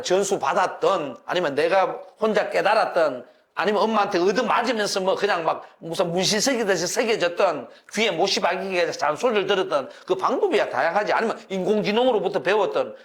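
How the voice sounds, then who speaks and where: A man in his sixties giving a classroom lecture as a university professor, folksy and animated, checking in with his listeners and chuckling as he explains. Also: sits high.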